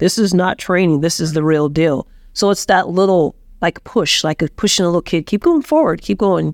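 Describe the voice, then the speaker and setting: Here is a plain, everyday voice from a woman, fairly low in pitch with ordinary pitch variation. The recording is very clean with a silent background and has a dry, close sound with no echo. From small-town Colorado. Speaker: firefighter lieutenant. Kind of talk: interview. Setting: studio.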